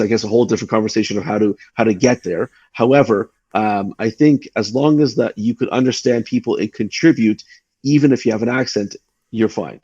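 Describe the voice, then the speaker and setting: A man, a tech recruiter, giving casual interview advice in quick runs with frequent restarts and repeated words over a video call. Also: fairly low pitch, warm tone, slightly rough, no room sound, highs cut off. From Canada.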